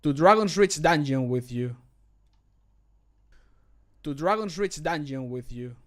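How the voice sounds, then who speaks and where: In a commanding mood, a man who natively speaks Spanish performs a stern, reproachful fantasy-game city guard, issuing deliberate warnings. His pitch is fairly high and his delivery animated.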